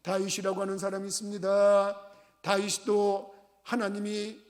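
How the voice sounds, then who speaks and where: A man's voice: high voice, completely flat delivery, normal speed. A middle-aged male pastor preaching a sermon, telling a story and acting out its dialogue. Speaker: senior pastor. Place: church sanctuary. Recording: reverberant church sanctuary.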